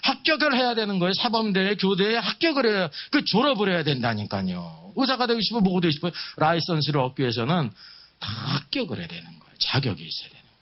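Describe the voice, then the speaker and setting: A man delivers a sermon in a fairly high voice that swings widely in pitch. He teaches emphatically, posing questions to his listeners and repeating key phrases, on a somewhat dull, lo-fi recording. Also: big pitch swings, fast. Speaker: preacher leading a Bible seminar. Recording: dull, muffled lo-fi sound.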